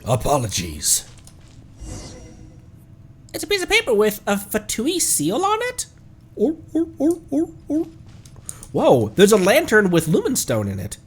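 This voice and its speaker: A man's voice: high voice, huge pitch swings, measured pace, long pauses, husky. A man commentating live on a game he plays and reading its text aloud, in a playful, exclaiming manner. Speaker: game streamer. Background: music.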